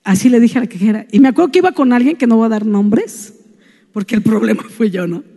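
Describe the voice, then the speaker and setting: A woman's voice: fairly high pitch, fast, mellow, husky. A woman with a Mexican Spanish accent speaks in a chatty storytelling way, often tagging her sentences with a questioning "¿no?". She is a church speaker weaving a personal story into a sermon, and her voice carries a long reverb from a church hall.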